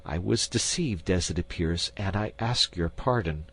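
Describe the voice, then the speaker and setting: A man's voice: normal speed, a bit bright, slightly rough, no room sound, heavily acted. A man voicing a frantic, fawning middle-aged landlord in an audiobook, pleading and whining. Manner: pleading, panicky, high and whining. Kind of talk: audiobook character voice.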